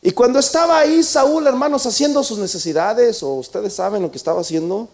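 A man's voice: very high-pitched, fairly quick, darkish tone. A man preaching a sermon, telling a story dramatically and asking the congregation rhetorical questions.

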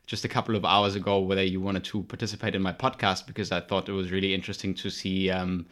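A man's voice: sits low, little pitch movement, quick pace, a bit bright. A young man hosting a podcast, talking casually with a lot of hesitation and filler words. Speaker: podcast host.

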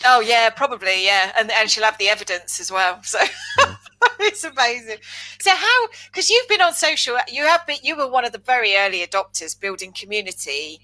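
A woman's voice: on the high side, expressive, normal speed, bright, forceful tone, rough recording. A woman co-hosting an interview as casual chat, teasing and often breaking off to rephrase her questions. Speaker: co-host.

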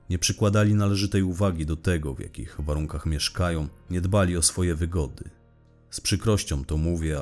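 A man's voice: a bass voice, a little mellow. A man playing a weary, irritable middle-aged divorced investigator confessing in formal, wordy sentences in an audio drama. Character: weary, irritable divorced male investigator talking to his psychologist. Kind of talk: scripted audio drama monologue.

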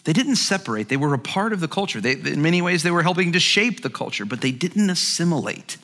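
A man delivers a sermon with an animated, conversational energy, often stumbling over repeated words. His voice sits a little high and sounds bright and forceful. He slips into quoted voices to dramatize his points. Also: fast, big-room sound. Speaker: pastor. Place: church sanctuary.

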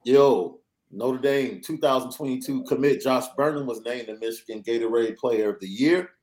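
A young adult man hosting a casual sports podcast, reading through news in an energetic, chatty way. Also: mid-range voice, normal speed, low-quality recording. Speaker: podcast host.

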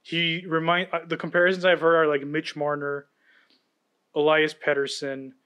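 Confident man, slightly high voice. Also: completely flat delivery, moderate pace, bright, forceful tone, smooth. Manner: confident, breaks down players with enthusiasm. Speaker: podcast co-host. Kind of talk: casual sports chat.

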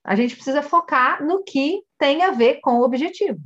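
A Brazilian woman, a family coach, teaches by retelling a session in animated storytelling, acting out the dialogue and speaking straight to her listeners. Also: sits high, normal speed, highs cut off.

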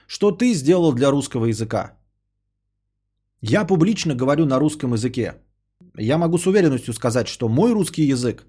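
A man's voice: mid-range voice, dark tone, breathy edge. A man, a podcaster and streamer, ranting in a sarcastic, indignant tone and swearing freely as he answers a viewer.

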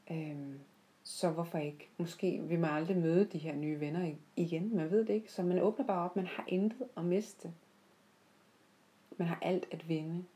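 A woman telling personal stories off the cuff in a heartfelt, reflective way, often pausing mid-sentence. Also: on the low side, warm tone. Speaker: podcast host. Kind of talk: unscripted reflective personal storytelling.

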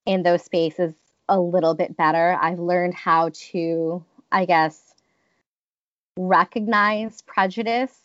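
A woman's voice: lowish voice, fairly bright tone, no room sound, muffled recording. A woman in her thirties from the United States, telling personal stories in an interview in a thoughtful, hesitant way with many restarts. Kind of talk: reflective personal storytelling.

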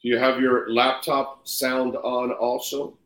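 A male radio host talking in a loose, joking way, his voice bouncing around with a clear echoey room sound. He sits at a middle pitch and needles his guest with playful teasing. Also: level tone, slow, fairly bright tone. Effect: echoey roomy sound. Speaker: sports radio show host. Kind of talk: casual sports radio chat.

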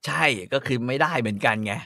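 A man's voice: medium pitch, fast, sharp tone, no room sound, studio quality. A man chatting bluntly and swearing casually as he talks about politics. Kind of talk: casual chat with karaoke singing.

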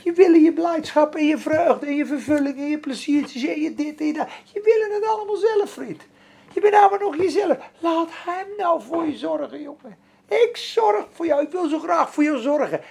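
A man preaching a sermon, animated, swinging between loud exhortation and soft prayer-like passages. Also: extremely high pitch, moderate pace, vocal fry. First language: Dutch.

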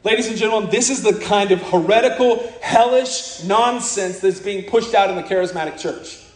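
A man from America preaching with fiery, scornful conviction. His voice sits high, and he drags out his punchlines for weight. The sound rings around an echoey room. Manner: fiery, blunt, scornful preaching with sudden slowdowns for emphasis. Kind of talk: sermon.

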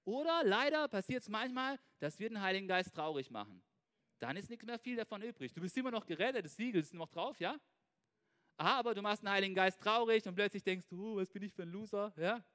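A man giving an informal, animated sermon, talking straight to his listeners and checking in with them constantly. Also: sits high, fairly quick. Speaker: preacher.

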